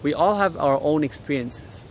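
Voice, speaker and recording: A man's voice: fairly high pitch, moderate pace, slight background noise. A young man from Bangladesh vlogging outdoors on a cold day, talking bluntly and swearing freely as he gives motivational advice. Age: young adult. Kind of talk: casual motivational vlog. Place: outdoors in cold city air.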